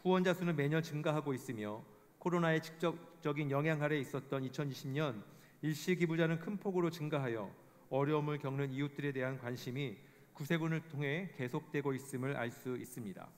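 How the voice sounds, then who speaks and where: Man, formal scripted report narration, somewhat high voice, long hall reverb. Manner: formal, measured reading of statistics. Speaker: presenter of a report.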